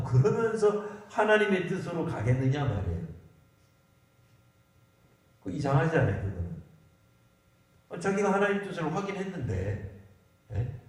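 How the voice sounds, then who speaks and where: A male pastor preaches in a loose, conversational way and keeps turning to his congregation with rhetorical questions. His voice sits a little on the high side. It carries from a distance through a big, booming church hall. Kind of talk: sermon at a Friday prayer meeting. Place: church sanctuary.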